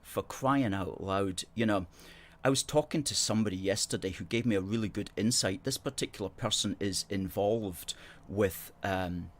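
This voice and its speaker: The middle-aged livestream host, Hong Kong-born with an educated Scottish accent, has a lowish voice and speaks at a moderate pace. He handles viewer comments chattily, with a sardonic edge.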